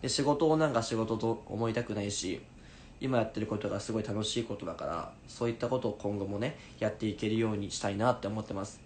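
A man in his twenties chatting casually on a livestream in an animated way, answering viewers as he goes. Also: fairly low pitch, fast talker. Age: 20s. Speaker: stage actor livestreaming to fans. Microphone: phone at arm's length. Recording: noisy room ambience, phone livestream.

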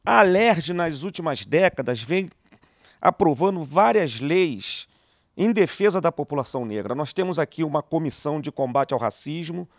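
An older man with a somewhat high voice talks into a handheld microphone in an interview. He is measured and assertive, and the sound is dry and close. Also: animated, no echo. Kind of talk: interview answer. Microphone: handheld interviewer mic.

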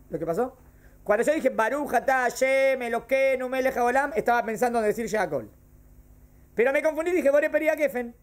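A man teaching a classroom lesson on Jewish law, repeating each case and checking that his students follow. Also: sits high. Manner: explains by repeating cases and quizzing students. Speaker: religion teacher.

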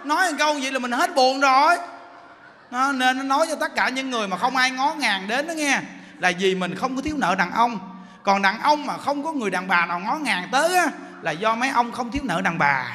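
A man's voice: very high-pitched, expressive, brisk, sharp tone, big-room sound. A man, a Buddhist monk giving a joking, story-filled dharma talk. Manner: joking, storytelling, laughs often.

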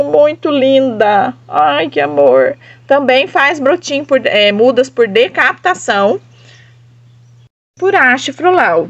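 High-voiced gushing woman from Minas Gerais. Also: dull audio. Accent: southern Minas Gerais Portuguese. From Brazil. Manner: gushing, enthusiastic, addresses viewers often. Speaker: succulent grower and seller. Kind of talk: casual plant showcase to followers.

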